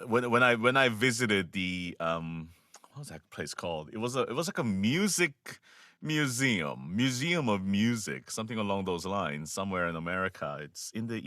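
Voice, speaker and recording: A man with a Korean accent, a voice actor giving measured, thoughtful interview answers with frequent pauses and restarts. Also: sits low, fairly bright tone, no echo, clean studio sound. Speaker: voice actor guest.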